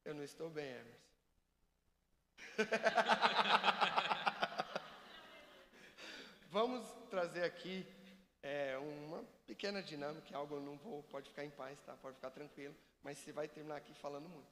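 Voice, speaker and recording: A man giving an animated, joking church seminar talk and acting out examples for the audience. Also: on the high side, unhurried, long pauses, a little hiss or hum. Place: church hall. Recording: long reverb of a church hall.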